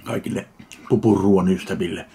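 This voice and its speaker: A man from Finland tasting and reviewing a ready meal in slow, dry, deadpan remarks. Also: deep voice, vocal fry. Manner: slow, dry, deadpan commentary between bites. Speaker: food reviewer. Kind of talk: casual food tasting review.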